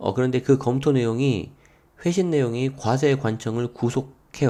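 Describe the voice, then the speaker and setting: The pitch of this man's voice is medium. He has a dark, mellow tone. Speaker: real estate and tax news commentator. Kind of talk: news commentary. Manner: fast; casual, many fillers.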